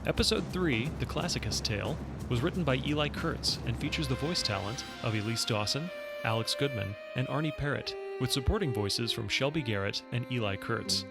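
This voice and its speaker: A man reads a show's closing credits in an even, formal way. His voice has a gravelly edge, with music playing clearly beneath it. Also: mid-range voice, fairly quick. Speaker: show announcer. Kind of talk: scripted credits read. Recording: music bed underneath.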